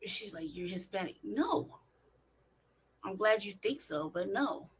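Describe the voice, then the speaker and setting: Woman, from California, casual monologue, emphatic, swears a lot, rhetorical questions, medium pitch, faint background noise. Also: lively intonation, unhurried. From California, United States. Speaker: vlogger.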